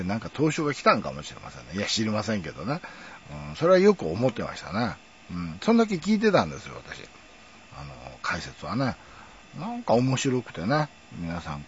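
Middle-aged Kansai man, low voice with a very lively pitch, rambling chatty monologue, muffled lo-fi audio. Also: a little hiss or hum. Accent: Kansai Japanese. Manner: rambling, reminiscing, chuckling asides. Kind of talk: casual monologue. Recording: dull lo-fi recording.

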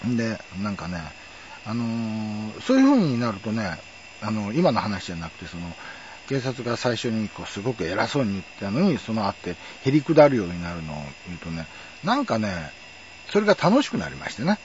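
A man's voice: fairly low pitch, brisk, lo-fi sound, a little hiss or hum. A middle-aged man telling a personal story in a wry, chatty way. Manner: wry, chatty, lively intonation. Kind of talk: casual storytelling monologue.

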